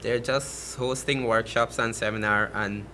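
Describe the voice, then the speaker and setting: A man with a Guyanese accent argues his case with conviction. His voice is bright and forward, with a faint hum behind it. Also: fairly low pitch, fairly even intonation, unhurried. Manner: emphatic, passionate. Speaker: fishermen's representative for the region. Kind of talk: talk show guest.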